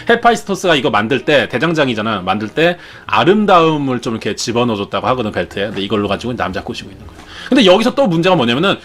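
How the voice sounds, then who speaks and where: A man's voice: mid-range voice, sing-song, quick pace, few pauses, a bit bright. A man retelling myths in a chatty, jokey, casual way as a show host. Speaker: storyteller host. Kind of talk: casual storytelling.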